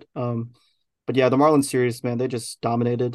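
The intonation is monotone and flat. A man delivers it at a very fast pace. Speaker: podcast host. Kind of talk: casual sports podcast chat.

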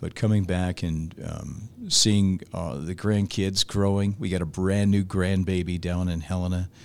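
Speaking with an American accent, a man with a very deep, low pitch talks fairly slowly with hardly any pauses and fairly even intonation on a very clean recording with a silent background. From US Pacific Northwest (Washington State, Idaho). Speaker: radio personality and voiceover artist. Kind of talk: casual chat.

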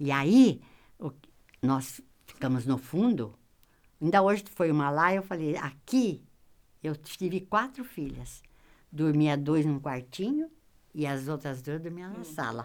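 A woman's very deep, low voice with long, frequent pauses and big swings in loudness. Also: lively intonation. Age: 80s+. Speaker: grandmother and evangelist. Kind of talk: casual chat.

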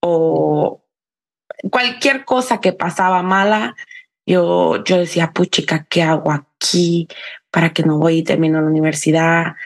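A woman at a fairly low pitch with a slight Latin American accent, very slow pace, lively intonation and very even loudness. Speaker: podcast co-host, assistant project manager. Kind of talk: casual chat.

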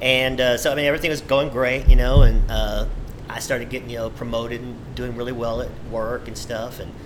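A man talks very fast with an American accent while noticeable background noise is heard. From Texas (Lampasas). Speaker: coffee shop owner. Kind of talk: casual interview. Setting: in a coffee shop.

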